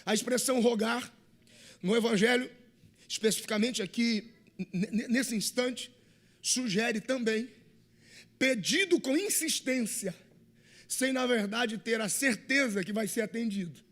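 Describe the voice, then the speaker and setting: A Brazilian-accented man delivers a sermon in a strikingly high voice. He drops to hushed, slangy asides, then climbs to shouted appeals, talking casually to the congregation. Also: unhurried, long pauses. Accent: Brazilian Portuguese. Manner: animated, swings from hushed to shouting. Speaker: pastor. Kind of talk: preaching a sermon.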